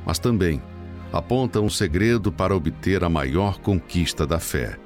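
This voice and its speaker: A man giving a scripted sermon narration in a solemn, admonishing way with dramatic pauses. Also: low-pitched, darkish tone. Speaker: preacher narrator. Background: music.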